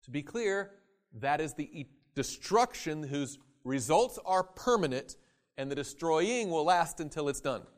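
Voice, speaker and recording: A man preaching a sermon, acting out quoted voices and swinging from loud emphasis to quiet asides. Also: on the high side, lively intonation, a little slow. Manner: dramatic, acts out voices in quoted scripture.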